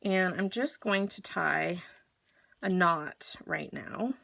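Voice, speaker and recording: A woman's voice: on the low side, slow pace, vocal fry, pushed and bright. A woman hosting a live card-making demonstration, chatty and gushing as she talks viewers through each step while working with her hands.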